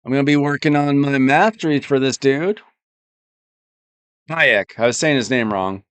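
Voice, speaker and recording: A man live-streaming a game, thinking aloud in a relaxed, casual way while his voice is going. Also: medium pitch, a little fast, clear, resonant tone, no room sound. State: losing his voice.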